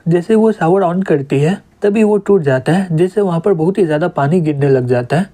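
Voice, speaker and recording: A man retelling a manga story in a plain, even storytelling manner, voicing every character himself. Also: on the high side, a little fast. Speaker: comic recap narrator.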